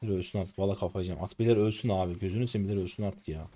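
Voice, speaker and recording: A man in his late twenties giving live gameplay commentary as a streamer, excitable and exasperated, with rough slangy banter at teammates. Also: low voice, rapid-fire, faint music behind. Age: late 20s. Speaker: gaming streamer.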